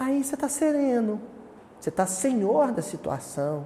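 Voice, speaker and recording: A woman with a Minas Gerais accent talks at a fairly slow pace. Her pitch is fairly high. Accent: Minas Gerais Brazilian Portuguese. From Minas Gerais, Brazil. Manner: serene, reflective.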